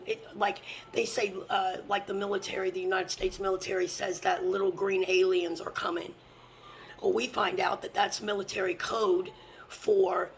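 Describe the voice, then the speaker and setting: A fervent religious teacher preaching from scripture, blunt and sometimes swearing, often dropping into a hushed whisper. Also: mid-range voice, creaky, a little hiss or hum, low-quality recording.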